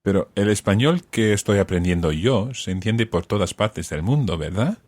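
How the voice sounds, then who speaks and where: This is an inquisitive English learner of Spanish played by a man in a scripted lesson dialogue. His voice is very deep, but his intonation rises and falls a lot. He asks short questions with open curiosity. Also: expressive, moderate pace, darkish tone, dry recording. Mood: curious.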